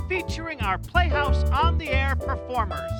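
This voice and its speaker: Female credits announcer, fairly high voice, scripted read over loud music. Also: sing-song, moderate pace.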